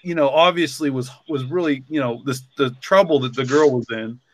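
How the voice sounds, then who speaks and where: A man's voice: mid-range voice, a little fast, no room sound. Rambling man chatting casually, dry recording. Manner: rambling, frequent "like" and "you know". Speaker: podcast co-creator and story author. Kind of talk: casual reflective conversation.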